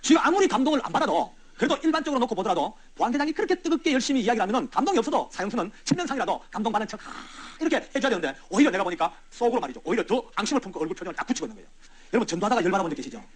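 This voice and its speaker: Fast, lively preacher man. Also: high voice, slightly rough. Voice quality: wide swings from loud to hushed. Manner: animated, conversational, talks straight to the audience. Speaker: church elder giving a testimony. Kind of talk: storytelling testimony sermon.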